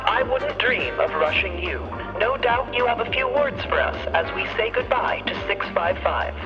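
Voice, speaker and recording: A woman's voice: mid-range voice, lively intonation, moderate pace, close to an everyday voice. A polished, chirpy radio presenter played by a woman in an audio drama. Her intonation swoops animatedly as she delivers effusive, presentational lines. The sound is narrow like an old broadcast, with music behind. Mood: gushing, deferential. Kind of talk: radio advert and live broadcast hosting. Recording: band-limited radio broadcast over music.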